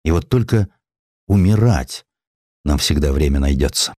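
A man voicing an ailing, reflective aging poet in an audiobook, slow and world-weary. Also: a bass voice, expressive, warm tone, dry recording, studio quality, voice pushed down. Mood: weary, rueful. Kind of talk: audiobook character voice.

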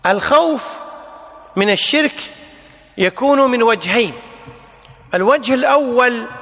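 Male teacher, high bright voice, deliberate lesson delivery with repetition, reverberant hall. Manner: deliberate, repeats key phrases for emphasis. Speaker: Islamic teacher. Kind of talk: religious lesson explaining a text.

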